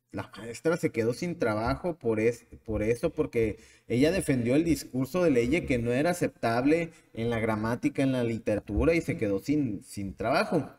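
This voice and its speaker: A man's voice: medium pitch, a little slow, darkish tone, in a large hall. A man hosting a podcast, giving his opinions in a rambling monologue and often answering his own questions. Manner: rambling, restarts often, asks himself questions. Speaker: podcast host.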